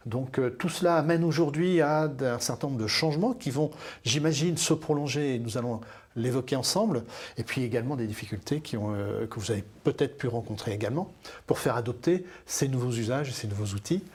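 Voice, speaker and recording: A man hosts a live panel discussion, welcoming guests and laying out the plan in a friendly, chatty way. His voice carries a light husky grain at a middle pitch, and he pauses often to find his words. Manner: friendly, chatty introductions with frequent hesitations. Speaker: panel moderator. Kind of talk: moderating a live panel webinar.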